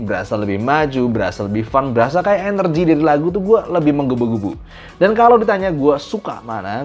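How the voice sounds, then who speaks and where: Animated male gear reviewer. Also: mid-range voice. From Indonesia. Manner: animated, slangy, mixes English phrases. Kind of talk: casual spoken review.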